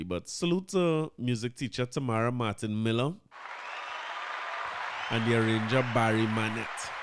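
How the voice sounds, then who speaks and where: A man with a Trinidadian accent hosting a podcast, commenting casually and often repeating his words as he talks. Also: lowish voice. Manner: chatty, animated, repeats words, mixes in Trinidadian Creole. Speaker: podcast host.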